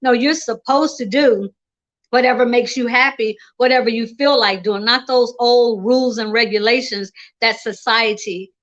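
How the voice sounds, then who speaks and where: A woman's voice: on the high side, normal speed, a bit bright. Upbeat woman in her sixties, dull audio. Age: 60s. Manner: bold, upbeat, emphatic. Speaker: women's confidence coach, guest. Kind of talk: casual interview chat.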